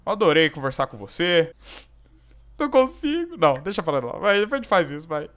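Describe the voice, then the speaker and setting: A young man with a Brazilian Portuguese accent doing joking, excitable gameplay commentary as a let's play host. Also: on the high side, a little fast. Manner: excitable, joking, prone to sudden outbursts.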